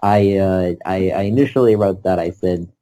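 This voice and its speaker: A man playing a rambling, stammering older horror author who tells crude stories deadpan. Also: sits low, normal speed, natural voice.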